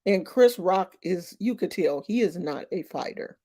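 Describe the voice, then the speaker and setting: Woman, 50s, slow unhurried delivery, emphatic, streetwise, casual vlog commentary. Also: lowish voice, expressive, mellow. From Oakland, California. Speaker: vlogger.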